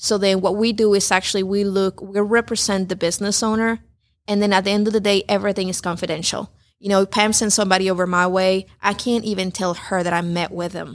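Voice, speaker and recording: The speaker has a Spanish accent and talks at a very fast pace in a monotone, flat intonation. The recording is very clean with a silent background. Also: woman, medium pitch for a woman. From Mexico, moved to Rome, Georgia at twelve. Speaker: small business advisor. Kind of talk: radio interview. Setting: studio.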